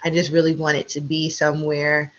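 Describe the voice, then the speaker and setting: A woman guest on a podcast, chatty and relaxed, with many fillers and restarts. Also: low-pitched, brisk. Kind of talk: casual interview chat. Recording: slightly dull audio.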